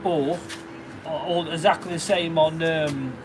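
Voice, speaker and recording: A slightly high-voiced man with a Derbyshire accent talks casually to his livestream viewers from a workshop, reading out names and thanking them as he goes. Loud workshop noise, clicks and passing traffic sit behind his voice. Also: fairly even intonation, unhurried. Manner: chatty, thanks viewers and reads out their names. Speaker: livestreaming stone carver.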